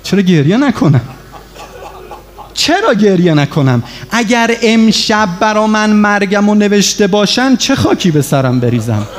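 A man's voice: high-pitched, sing-song. A man preaching an emotional religious sermon, pleading with and speaking straight to his congregation. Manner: fervent, pleading, addressing listeners directly.

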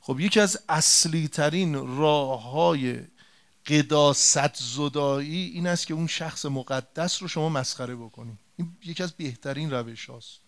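This man's voice sits on the high side as he preaches, giving an old story a colloquial retelling. He keeps questioning his listeners rhetorically and repeating himself emphatically.

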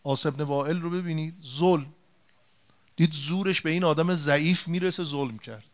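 A slightly high-voiced preacher delivers a religious sermon, recounting an old story in everyday language. He turns to his audience with rhetorical questions and repeats points for emphasis.

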